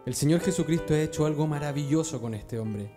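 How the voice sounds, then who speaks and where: A man's voice: a little high, a little fast, music in the background, natural voice. A man playing an earnest, persuasive early Christian disciple in an amateur religious radio drama. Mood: earnest, reassuring.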